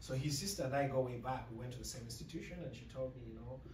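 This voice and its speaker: A man's speech carries audible room echo, with light background noise behind it. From Africa. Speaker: university lecturer. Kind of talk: speaker introduction. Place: hall. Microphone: podium.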